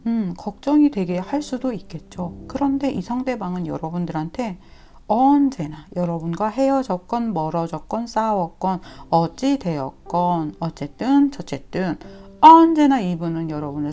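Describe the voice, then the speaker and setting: A woman with a slightly sore throat giving a tarot reading, talking gently and coaxingly to her viewers. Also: on the low side, animated, normal speed. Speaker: tarot reader. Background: soft instrumental music.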